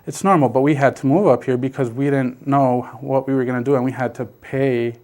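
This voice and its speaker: The man's medium-pitched voice is steady and darkish, moving at a brisk clip. Middle-aged and from South Texas, with Basque as his first language, he casually tells his family's story as an interview guest, using plenty of fillers and restarts.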